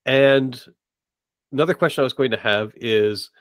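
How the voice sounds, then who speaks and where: Podcast host guy, normal pitch, kinda halting and repeats himself, chatty interview, no room echo. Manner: halting, repeats words while forming questions. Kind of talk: casual interview chat.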